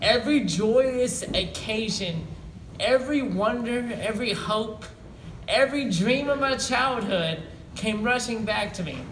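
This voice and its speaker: At a very slow pace and high pitch, a man talks with ordinary pitch variation amid noticeable background noise and audible room echo. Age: young. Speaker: motivational speaker. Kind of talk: motivational speech. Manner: halting.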